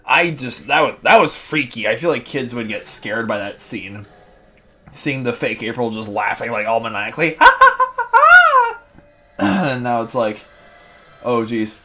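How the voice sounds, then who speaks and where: A young man hosts a casual review vlog in an ordinary mid-range voice. He rambles, restarts sentences and leans on fillers. He gets audibly excited as a fan. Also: mid-range voice, moderate pace, slight background noise. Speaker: host.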